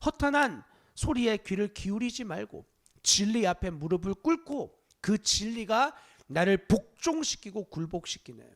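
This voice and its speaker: A male pastor preaching a Wednesday service sermon to his congregation, stressing points loudly, dropping to hushed asides, and asking rhetorical questions. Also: high voice. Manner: emphatic preaching, swinging between loud stress and hushed asides. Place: church sanctuary.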